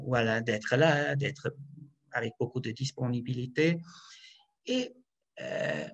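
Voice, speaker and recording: A Swiss priest whose first language is German, speaking French slowly and carefully. His voice sits at a middle pitch, and he pauses often with fillers and restarts. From Switzerland. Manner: hesitant, many fillers and restarts. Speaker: priest, guard chaplain. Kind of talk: interview answers.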